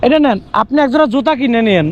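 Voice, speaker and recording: A man's voice: very high voice, animated, very fast, highs cut off. A young man from Bangladesh in a street vlog, coaxing and pleading, repeating himself. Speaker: vlogger. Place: outdoors on a city street.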